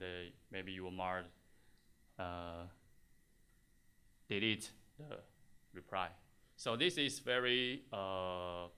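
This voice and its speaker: Slow, halting Taiwanese-accented man presenting. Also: lowish voice, pushed and bright, smooth. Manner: halting, hesitant delivery in non-native English with frequent pauses. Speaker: conference speaker, software test engineer. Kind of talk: conference tech presentation.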